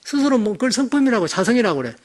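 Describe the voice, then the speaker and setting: Fast-talking high-voiced monk. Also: male voice, very animated. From Jeolla, South Korea. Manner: rambling, emphatic, conversational. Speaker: Buddhist monk. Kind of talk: dharma talk sermon.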